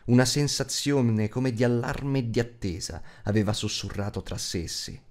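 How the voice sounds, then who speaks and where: A man narrating an audiobook in an expressive storytelling style. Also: medium pitch, moderate pace.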